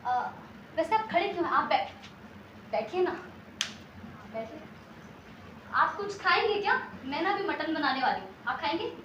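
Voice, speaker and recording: A woman's voice: high-pitched, expressive, normal speed, pauses often, muffled recording, noisy background. A woman playing a bossy, chatty young daughter who rambles and orders people about, on a theatre stage. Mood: bossy chatter. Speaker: bride-to-be. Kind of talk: stage comedy acting. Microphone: distant stage mic. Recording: echoey theatre from far off, music.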